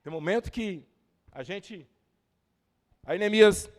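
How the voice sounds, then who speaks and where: A man with a Brazilian accent preaching a fervent Pentecostal sermon, swelling to shouts and calling on the congregation. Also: high-pitched, takes it slowly. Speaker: evangelist preacher. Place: church service hall. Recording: echoey church hall.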